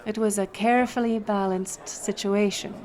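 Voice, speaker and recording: A woman's voice: mid-range voice, fairly even intonation, normal speed, a little mellow, some chatter behind, close to an everyday voice. A woman playing a wry, roguish pirate smuggler captain, telling her tale theatrically in an audio roleplay. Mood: wistful, sly. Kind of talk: in-character audio roleplay storytelling.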